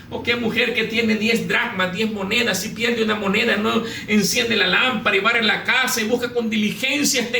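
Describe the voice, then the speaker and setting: A man's voice: high voice, bright, forceful tone. A man preaching a sermon as a pastor, telling humorous stories with mimicked voices. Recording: echoey room, slightly distant mic, faint noise.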